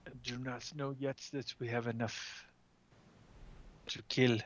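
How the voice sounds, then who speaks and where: A man's voice: medium pitch, flat delivery, unhurried, highs cut off. A man playing a tabletop game, chatting casually with dry joking asides. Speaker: player.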